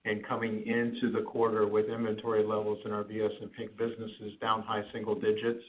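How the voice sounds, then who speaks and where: A male finance executive talks through a business outlook in a flat, fairly low voice. His phrasing is careful and halting. The conference line is dull, with faint background noise. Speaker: company finance executive on an earnings call. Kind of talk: business outlook commentary, partly prepared. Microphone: conference call line. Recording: noisy, muffled conference call.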